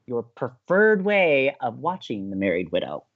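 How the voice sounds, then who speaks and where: An actor playing a gleeful, teasing young college radio co-host, bantering with dramatic emphasis. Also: male voice, mid-range voice, huge pitch swings, measured pace, phone-quality sound. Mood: amused, teasing. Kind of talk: bantering audio drama dialogue.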